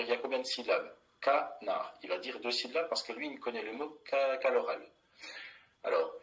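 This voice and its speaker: A man's voice: on the low side, a bit bright, low-quality recording. A middle-aged man, a primary school teacher, explaining a classroom method in a plain, methodical way with many fillers and restarts.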